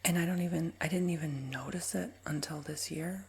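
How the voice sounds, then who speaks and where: A man in his twenties with a nasal, raspy voice, giving a soft, rambling ASMR whisper with many fillers. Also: on the high side, a little fast. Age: 20s. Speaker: ASMR creator.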